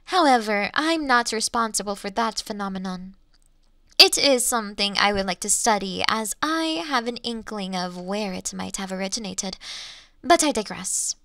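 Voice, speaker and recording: A woman playing an ancient, elegant monster in a Victorian fantasy audio drama, teasing her hunter in archaic, formal phrases with lingering pauses. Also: mid-range voice, lively intonation, pushed and bright, no room sound. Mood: musing. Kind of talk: slow theatrical roleplay monologue in Victorian fantasy audio drama.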